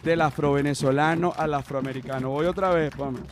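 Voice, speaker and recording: A man's voice: a little high, steady tone, brisk. A man hosting a podcast, joking and repeating phrases as he stops clips to comment. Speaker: podcast host. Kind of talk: casual reaction commentary. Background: music from played clips.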